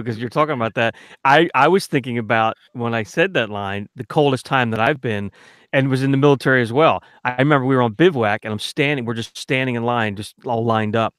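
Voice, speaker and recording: An animated male voice actor, once a soldier, tells a cold-weather story and gets louder as he goes. His mid-range voice is recorded dry and close. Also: medium pitch, clear, resonant tone, dry recording. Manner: animated anecdote telling. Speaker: voice actor guest. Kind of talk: casual podcast chat.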